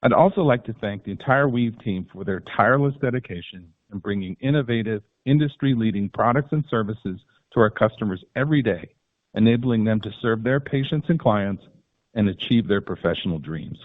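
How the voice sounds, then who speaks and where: A man's voice: on the low side, lively intonation, brisk. A man in the role of a company executive formally reads prepared remarks on an earnings call. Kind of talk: scripted earnings call presentation. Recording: tinny phone-line conference call audio.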